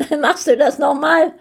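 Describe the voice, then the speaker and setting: A woman in her eighties from East Germany, hoarse, chatting and telling stories about her life in a casual interview. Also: sits high. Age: 80s. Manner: chatty, laughing, lively storytelling. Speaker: interviewee, host's mother. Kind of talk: casual chat.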